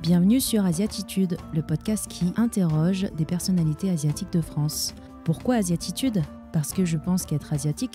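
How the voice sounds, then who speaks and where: Upbeat woman hosting a podcast. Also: lowish voice. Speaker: podcast host. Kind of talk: scripted intro then casual interview. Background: soft music under the intro.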